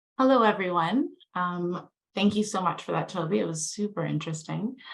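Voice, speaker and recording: With a Canadian accent, a woman talks at a moderate pace in a fairly low pitch with ordinary pitch variation. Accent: Canadian, noticeable. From Canada. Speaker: gallery operations director. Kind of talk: panel talk presentation.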